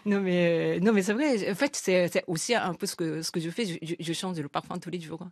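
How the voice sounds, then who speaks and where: A Japanese woman in her fifties with a Japanese accent, speaking French as a second language in a radio interview, halting and full of fillers and restarts. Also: fairly low pitch, a little mellow, no echo, clean studio sound. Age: 50s. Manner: hesitant, many fillers and restarts, laughs often. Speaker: guest writer.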